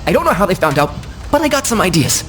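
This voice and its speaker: Brash, jumpy young street hood. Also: male voice, high voice, sing-song, fast, fairly bright tone, soft background music. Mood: nervous, defensive. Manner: slangy, defensive. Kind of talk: video game cutscene acting.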